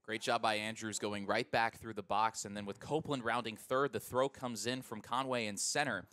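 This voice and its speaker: An American man giving conversational, explanatory color commentary on a live softball radio broadcast. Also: on the low side, fairly even intonation, normal speed.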